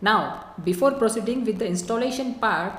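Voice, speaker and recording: A woman with a non-native accent talks at a fairly high pitch with ordinary pitch variation. Audible room echo and noticeable background noise surround her. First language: not English. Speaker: online course instructor. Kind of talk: tutorial.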